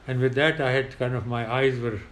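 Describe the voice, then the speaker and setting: An older man with a South Asian accent, a retired pilot recounting war memories in an interview in a halting, emphatic way. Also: medium pitch, fairly even intonation, echoey room. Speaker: retired air force pilot. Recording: clearly noisy background.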